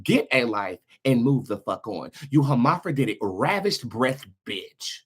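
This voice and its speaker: Man, livestream host, husky voice, medium pitch, sassy, theatrical, foul-mouthed, motivational monologue. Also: animated, measured pace. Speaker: host of a tarot livestream show.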